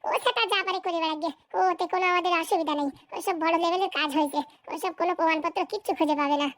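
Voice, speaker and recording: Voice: extremely high pitch, steady tone, racing, a bit bright. A performer voicing a scheming, bossy village madam in a comedy cartoon, with scolding, boastful colloquial chatter. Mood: dismissive, scheming. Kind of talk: exaggerated cartoon comedy dialogue.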